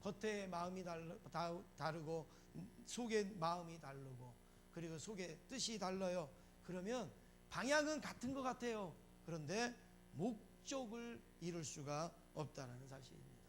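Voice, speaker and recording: A man's voice: sits high, slight background noise. A male pastor preaching a sermon. He asks the congregation questions, answers them himself, and repeats phrases for emphasis. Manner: acts out quoted lines in a raised voice.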